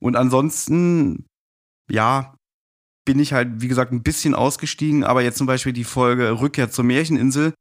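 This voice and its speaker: A man's voice: medium pitch, moderate pace. Casual man of forty sharing memories. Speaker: podcast guest, fan of audio plays. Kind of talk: casual personal storytelling.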